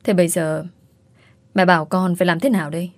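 A woman's voice: fairly low pitch, steady tone, a little fast, no room sound, studio quality, lightly acted. A woman voicing an injured, weary young wife in a spoken story. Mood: bitter. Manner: curt, weary.

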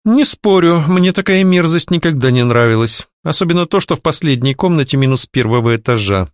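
A man voicing a sharp-tongued young woman who mocks and scolds her ghost ex-husband. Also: fairly high pitch, lively intonation, fairly quick, no echo, studio quality, pitched above the performer's own voice, lightly acted. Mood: stern. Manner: mocking, scolding, ironic. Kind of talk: audiobook character voicing.

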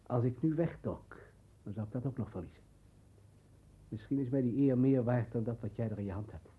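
Actor as husky, dark-voiced broken man. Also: mid-range voice, fairly quick, natural voice, low-quality recording. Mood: remorseful, pleading. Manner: subdued, brooding. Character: broken, guilt-ridden, dreamy down-and-out brother. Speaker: actor in a radio drama. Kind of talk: 1960s Dutch radio play acting.

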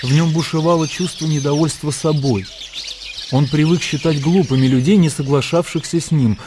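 A man narrating a radio drama in a calm, measured storytelling manner. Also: fairly high pitch, background noise.

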